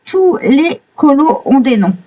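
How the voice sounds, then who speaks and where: A woman with a mellow, warm voice talks her way through a coloring book, page by page. Her voice sits a little high, and she keeps stopping to gush in admiring little exclamations. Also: very animated, takes it slowly, low-quality recording. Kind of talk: casual flip-through commentary.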